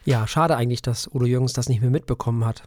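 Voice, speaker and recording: A man's voice: mid-range voice, fast talker, darkish tone. A man co-hosting a casual talk show, joking wryly and often breaking off his sentences. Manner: wry, joking, trails off mid-sentence. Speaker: podcast co-host. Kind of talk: casual chat.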